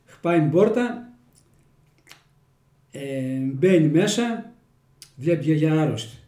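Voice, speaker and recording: A man with a Kozani accent telling village folk tales in a homely, folksy way. His voice is mellow and dark, a little higher than usual for a man. The room is roomy and echoey. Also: expressive. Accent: Kozani Greek dialect. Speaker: storyteller interviewee.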